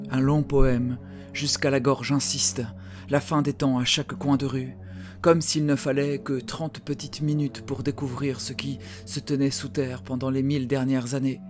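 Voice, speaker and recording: A man reading his own literary poem aloud in a solemn, deliberate manner, with frequent pauses between phrases. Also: medium pitch. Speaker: poet reading own work. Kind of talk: literary poetry reading, recited. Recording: music under the voice. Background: music.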